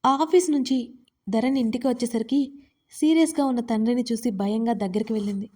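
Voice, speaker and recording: A woman storyteller narrates a drama in a calm, steady reading. Her voice sits somewhat high with a warm, mellow tone. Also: fairly quick.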